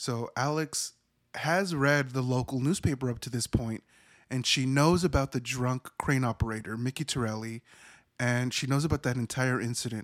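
A man speaks at a moderate pace with ordinary pitch variation. The recording is very clean, with a silent background and a dry, close sound with no echo. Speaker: horror podcast host. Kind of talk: solo movie review. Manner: casual, halting with fillers.

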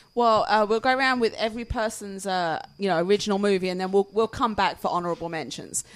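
A woman's very fast speech in an English accent, medium in pitch with ordinary variation, on a very clean recording with a silent background. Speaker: podcast co-host. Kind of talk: casual chat. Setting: at a home barbecue.

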